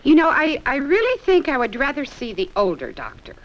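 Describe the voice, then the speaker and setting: A woman's voice: sits high, huge pitch swings, a little fast. An actress playing a skeptical, tactless female patient with a hesitant yet pointed manner in a 1970s film. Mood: doubtful. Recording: muffled 1970s film soundtrack.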